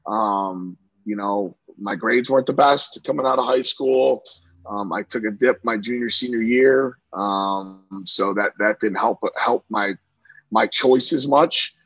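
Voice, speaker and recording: A man's voice: fairly low pitch, slow pace, no echo, dull audio. A middle-aged man from Central New York, a lacrosse coach, talking casually in an interview with lots of fillers and restarts. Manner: talkative, many fillers and restarts.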